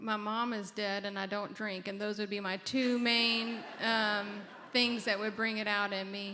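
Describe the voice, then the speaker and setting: Amid audible room echo, a woman with an American accent speaks slowly in a monotone, flat intonation. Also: medium pitch for a woman. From US South, rural Louisiana. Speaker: journalist and author. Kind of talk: public conversation Q&A.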